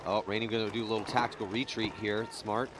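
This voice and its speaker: A man calls a live sports match play by play, his voice sitting on the low side. He gets livelier when the action peaks. Outdoor hum and passing vehicles sit clearly behind him. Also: flat delivery, fast talker. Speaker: play-by-play commentator. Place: outdoor paintball field.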